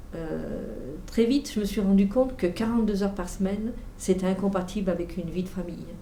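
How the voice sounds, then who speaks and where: Over audible room echo, a woman speaks fairly quickly at a medium pitch with ordinary pitch variation. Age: 60s. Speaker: retiree, union member. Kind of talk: testimony. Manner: halting.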